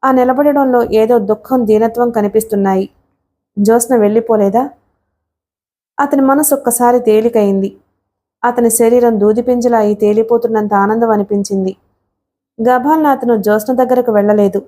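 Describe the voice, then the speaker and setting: Mellow-voiced woman narrating a novel. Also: fairly high pitch, fairly even intonation, moderate pace, pauses often. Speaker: audiobook narrator.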